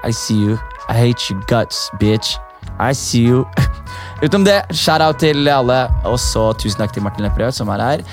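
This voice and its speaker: A man's voice: medium pitch, expressive, soft background music. A young man hosting a casual podcast, brash and joking, swearing freely and mixing English slang into his talk. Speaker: podcast host and comedian.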